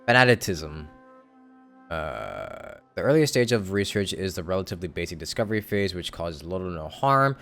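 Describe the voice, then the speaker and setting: A man's voice: low voice, fairly bright tone. A young man doing casual live commentary as a game streamer, slangy and irreverent. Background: game music.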